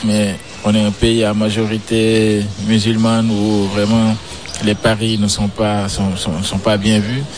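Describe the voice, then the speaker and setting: A man's voice: on the low side, completely flat delivery, unhurried, crowd noise. A man from Senegal answering radio interview questions, hesitant, with frequent restarts. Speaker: interviewee, sports business founder.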